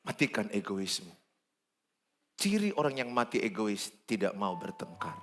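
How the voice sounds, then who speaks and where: A man, preaching a sermon in church in an animated, joking way. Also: lowish voice, normal speed, faint music behind. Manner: animated, joking, acts out dialogue. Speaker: pastor.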